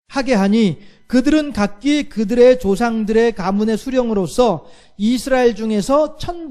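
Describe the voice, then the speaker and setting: A man preaching a Wednesday church sermon. He keeps asking the congregation rhetorical questions and fills his pauses with a steady "yes". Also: very high voice. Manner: acts out everyday quarrels in lively voices. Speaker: pastor.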